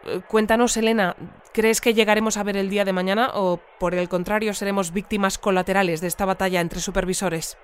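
A woman's voice: medium pitch, steady tone, brisk, clear, resonant tone, lightly acted. Female newsreader in a radio comedy drama, acted. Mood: puzzled, probing. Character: female radio newsreader of a surreal utopian town, composed, easily puzzled. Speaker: news presenter. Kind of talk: scripted radio bulletin and interview in audio fiction.

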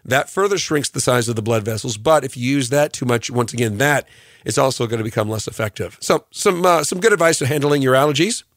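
A man hosting a morning radio show, his voice hoarse from allergies, rambling through tips with lots of ums and uhs. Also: medium pitch, lively intonation, a little fast, no room sound, studio quality. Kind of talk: radio show recap, casual talk. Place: radio studio.

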